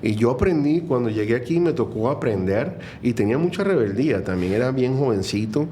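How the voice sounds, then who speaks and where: A man's voice: medium pitch, animated, a little fast, dark tone, slight background noise. A middle-aged man with a Venezuelan accent, a guest speaking earnestly and reflectively in a conversational interview, with many fillers and restarts. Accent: Venezuelan Spanish. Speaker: guest, Catholic music minister.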